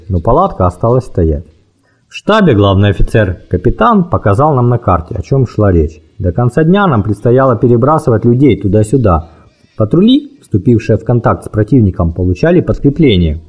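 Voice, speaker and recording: A man reading a first-person war memoir as an audiobook, in a lively storytelling manner, raising his pitch for the dialogue. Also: husky. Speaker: audiobook narrator.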